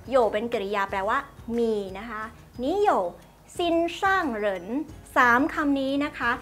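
A woman's voice: high-pitched, very animated, normal speed, fairly bright tone. A young woman hosting a lesson, chatty and polite, explaining phrases word by word. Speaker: host teaching Chinese through drama clips.

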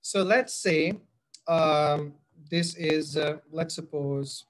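A man's voice: a little high, drawn-out words. A man with a South Asian accent giving an instructive tutorial as a teacher, speaking directly to pupils and switching between languages. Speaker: biology teacher. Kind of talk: tutorial explanation, switching between English and Hindi-Urdu. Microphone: screen-recorded voice-over.

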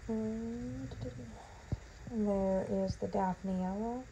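A woman's voice: mid-range voice, steady tone, drawn-out words, mellow, slight background noise, low-quality recording. A woman casually narrating a home unboxing in a bathroom, rambling with lots of ums, her voice still recovering from being lost. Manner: chatty, rambling with many ums. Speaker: vlogger.

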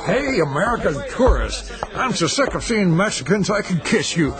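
An actor playing a brash, jokey American film director in a radio drama. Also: male voice, high-pitched, sing-song, moderate pace. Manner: loud, jokey, pushy. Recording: radio drama with crowd noise. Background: crowd chatter.

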